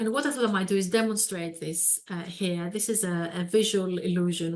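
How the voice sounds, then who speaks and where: A woman with a Greek accent speaks at a moderate pace in a fairly low pitch with fairly even intonation. Room echo is audible. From Greece. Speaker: psychology professor. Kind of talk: webinar lecture.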